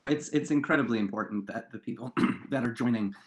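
A man's voice: mid-range voice, a little fast, slight background noise. A man moderating a video-call panel in a conversational interviewing style. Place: indoor room at home, video call.

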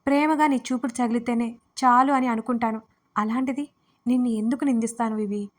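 A woman voicing a remorseful young man who pleads gently with the woman he loves, in a romance audio story. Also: fairly high pitch, fairly even intonation, fairly quick, lightly acted. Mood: pleading.

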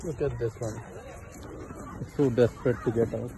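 A man's voice: medium pitch, fairly even intonation, moderate pace. A young adult man with a South Asian accent, a native Hindi-Urdu speaker, chatting casually as he vlogs outdoors. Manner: chatty, talks to the animals. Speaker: vlogger. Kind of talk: casual zoo vlog chat. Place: outdoor zoo. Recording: noisy outdoor phone recording.

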